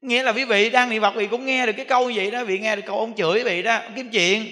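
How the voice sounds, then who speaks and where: This dharma talk comes from a man playing a Buddhist monk, with a southern Vietnamese accent and a high voice moving very fast. Animated and repetitive, he acts out everyday examples, recorded in an echoey hall.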